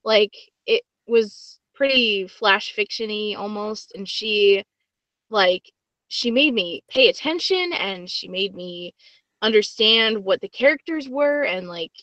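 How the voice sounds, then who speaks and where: A woman's voice: mid-range voice, slow, fairly bright tone, no room sound, muffled recording. A woman guest hosting a podcast, chatting casually in a gushing, rambling, informal way. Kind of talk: casual excited podcast chat.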